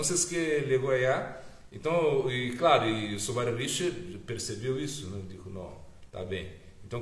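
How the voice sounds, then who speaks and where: Halting, low-voiced man preaching in an echoey room. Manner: mixes Spanish words into Portuguese, halting with many fillers. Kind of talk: sermon storytelling.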